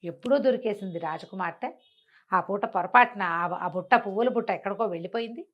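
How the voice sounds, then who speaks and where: A woman with a Telugu accent briskly tells a folk tale in a lively, chatty way, asking questions and then answering them herself. She speaks at medium pitch, and the recording is muffled.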